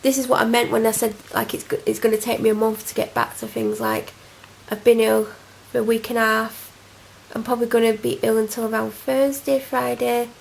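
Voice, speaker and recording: A woman's voice: on the high side, flat delivery, brisk, creaky, slight background noise, poor audio. A young woman with a cold, chatting and rambling to camera at home in a casual vlog. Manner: rambling, self-deprecating, chatty. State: congested, snotty from a cold. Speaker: vlogger. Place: at home, indoors. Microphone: camera mic.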